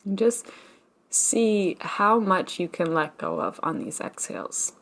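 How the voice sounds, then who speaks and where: A woman with a medium-pitched voice guides a meditation. She speaks gently and soothingly, like a teacher in no rush, leaving long pauses between her phrases. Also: sing-song.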